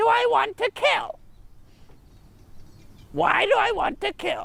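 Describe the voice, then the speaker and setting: This put-on character voice is squeaky and extremely high-pitched, moving at a fairly slow pace. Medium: comedy sketch.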